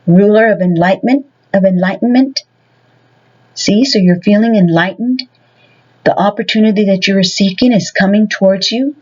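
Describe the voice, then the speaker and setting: A woman's voice: medium pitch, a little mellow, lo-fi sound. A woman giving a casual tarot reading to her viewers. She talks in a rambling way and fills her sentences with many "you know"s. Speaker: tarot reader.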